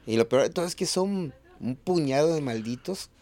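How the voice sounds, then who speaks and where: A man's voice: on the high side, lively intonation, moderate pace, darkish tone. A Mexican man, a history teacher, talking bluntly and colloquially as a guest. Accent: Mexican Spanish. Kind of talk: casual talk as a guest.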